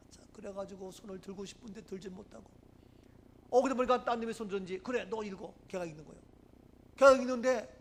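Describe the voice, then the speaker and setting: A man with a high, bright voice preaches in a church, telling stories with lively swings between quiet asides and loud, forceful lines. Faint background noise sits under the voice. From Gangwon Province, Korea. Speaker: pastor. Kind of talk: sermon. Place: church sanctuary.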